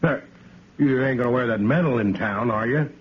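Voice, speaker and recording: An actor playing a sly, teasing army sergeant in a 1950s radio drama. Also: male voice, medium pitch, moderate pace, slightly rough, lightly acted. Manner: teasing, slick. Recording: dull old radio broadcast recording.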